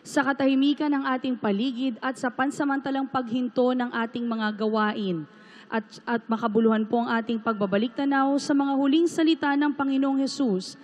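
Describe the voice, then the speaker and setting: A woman's voice: high-pitched, fairly even intonation, normal speed, darkish tone. A woman with a Filipino accent hosting a solemn religious broadcast, speaking formally and reverently. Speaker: host. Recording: muffled, long echo of large hall.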